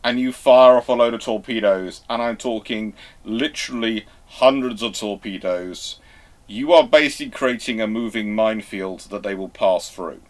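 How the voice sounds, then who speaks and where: A man hosting a live question-and-answer history talk, speaking in a halting, emphatic way as he reworks his phrases. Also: lowish voice. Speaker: host answering viewer questions.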